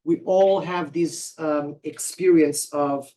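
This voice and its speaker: A man asks a question after an academic lecture, his voice sitting a little high for a man. He speaks thoughtfully and hesitantly, often stopping to search for words. His voice is caught from some distance away from the microphone. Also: steady tone, takes it slowly, dark tone, slight background noise. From Portugal. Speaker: audience member asking the speaker a question. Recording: voice picked up from far off the mic.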